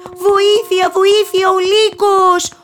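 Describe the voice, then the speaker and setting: A woman voicing a high, sweet little girl in a red hood. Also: lively intonation. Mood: screaming for help. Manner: high, eager, pleading. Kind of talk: storybook character voice.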